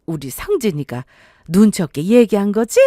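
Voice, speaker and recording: A kind, middle-aged future mother-in-law, read by a woman storyteller who fusses gently over her guest. The voice moves freely up and down, and the recording is close and dry. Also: medium pitch, sing-song, moderate pace, no echo, close to an everyday voice. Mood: fond teasing.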